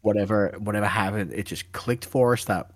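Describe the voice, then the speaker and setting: Male podcast co-host, very low voice, blunt, casual swearing. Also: fairly quick. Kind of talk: casual gaming podcast chat.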